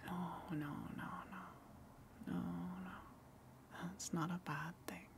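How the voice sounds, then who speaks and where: A woman playing a gentle eldritch tentacle monster in an ASMR roleplay, coaxing and soothing in a breathy whisper with long pauses. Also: on the low side, little pitch movement, background noise. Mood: soothing, knowing.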